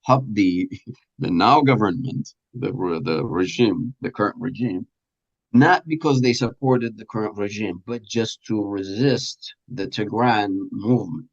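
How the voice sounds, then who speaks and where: A man being interviewed, explaining earnestly in a halting, deliberate way with pauses mid-sentence. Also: lowish voice, lo-fi sound. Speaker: radio presenter and producer being interviewed.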